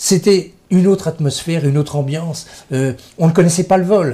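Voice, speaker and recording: With a dark, mellow tone, a man of fairly high pitch and ordinary pitch variation speaks at a moderate pace. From western France, Poitou (Poitiers, Vendée). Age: 70s. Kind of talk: interview. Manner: hesitant, many fillers.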